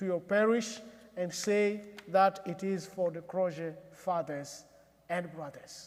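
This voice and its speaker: Speaking in an African accent, a man with a high-pitched voice moves at a very slow pace. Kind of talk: plain, simple English.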